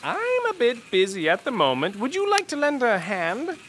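An actor playing a flippant, theatrical mad scientist in an audio drama. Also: male voice, very high voice, huge pitch swings, moderate pace, background noise, heavily acted. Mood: dismissive. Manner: flippant, theatrical, self-satisfied. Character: Doctor Herbert West, cheery mad scientist man.

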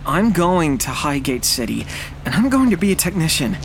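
A stubborn, impulsive young stowaway played by an actor in an audio drama. The voice is defiant and moves up and down in pitch, over clear engine noise. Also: sing-song, normal speed. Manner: defiant, insistent. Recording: loud boat engine noise.

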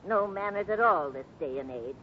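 A bossy little old lady, played by an actress in a 1950s radio play, full of prim old-fashioned exclamations. Her voice swings widely as she scolds, on a muffled, rumbling recording. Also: slight background noise, close to an everyday voice. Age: older. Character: tiny, feisty, exasperated little old lady. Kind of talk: 1950s radio drama acting.

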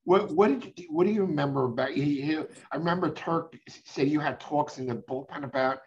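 A man's voice: a little high, a little fast. A male sports interviewer asking long rambling questions with restarts. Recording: dull lo-fi sound with faint noise.

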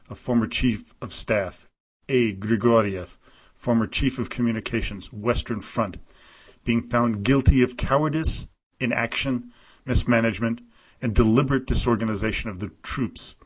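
A man's voice: lowish voice, husky, poor audio. A man narrating a history podcast from a script, reading out quotes from letters and memoirs with a slightly raised voice.

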